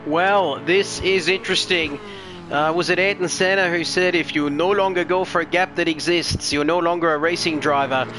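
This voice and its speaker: A man's voice: on the high side, steady tone, moderate pace, background noise. A man commentating a sim racing live stream, chatty and joking as he reads out viewer comments. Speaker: race commentator.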